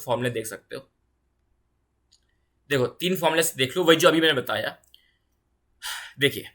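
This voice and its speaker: A woman's voice: lowish voice, pushed and bright. A woman physics teacher giving an online exam-prep lecture, repeating key phrases and checking in often. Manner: repeats key phrases, mixes English terms into fast explanation; reassuring, checks in with "ठीक है".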